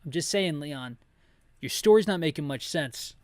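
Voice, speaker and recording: A man's voice: on the high side, animated, normal speed, no echo. A man giving casual, rambling playthrough commentary, full of slangy, joking asides. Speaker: host of an audio-description game playthrough. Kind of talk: casual playthrough commentary with read-aloud dialogue.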